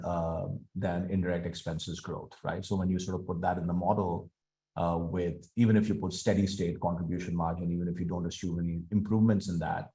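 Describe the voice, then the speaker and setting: A man answering analyst questions on an earnings call as a company executive, explaining in a measured, hesitant way. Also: deep voice, dark tone.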